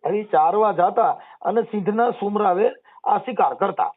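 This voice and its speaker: A man explaining devotional verses and old history on a phone call, sometimes chanting couplets slowly. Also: high-pitched. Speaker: social media personality taking calls. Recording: tinny phone call recording.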